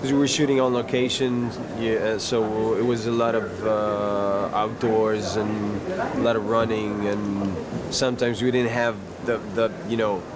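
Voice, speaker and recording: A male actor chatting in a festival interview, halting often and laughing easily. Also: fairly low pitch, flat delivery, a loud crowd. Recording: loud outdoor traffic noise.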